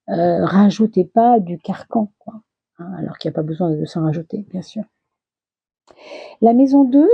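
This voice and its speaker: A woman with a lowish, slightly rough voice and vocal fry gives a casual monthly tarot reading, hesitating often with fillers and restarts. She is losing her voice, which grows worn and throaty, and she clears her throat. The recording is dry and muffled.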